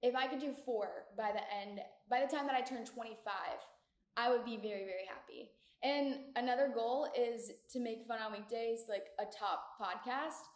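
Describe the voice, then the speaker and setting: A woman's voice: on the high side, moderate pace. A woman in her twenties hosting a casual solo podcast, talking in an upbeat, chatty way with lots of filler words, recorded in an echoey community room. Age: 20s. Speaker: podcast host. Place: echoey shared community room in an apartment building.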